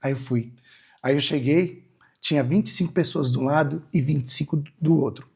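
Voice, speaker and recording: A man's voice: a little high, normal speed, gravelly, darkish tone, husky. A man, a hypnotherapist guest, telling long rambling anecdotes in a casual interview, tagging his sentences with "né?". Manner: rambling anecdotal, frequent "né?" tags.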